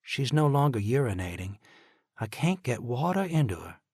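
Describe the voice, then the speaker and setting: A man voicing a worried woman giving a quiet, matter-of-fact report. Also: mid-range voice, sing-song, normal speed, slightly rough, no room sound, studio quality, pitched above the performer's own voice.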